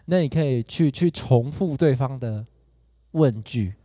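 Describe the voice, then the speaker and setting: A man's voice: mid-range voice, a little slow, dark tone, dry recording, studio quality. A man co-hosting a casual podcast chat, playful and exaggerated in how he talks. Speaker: podcast co-host.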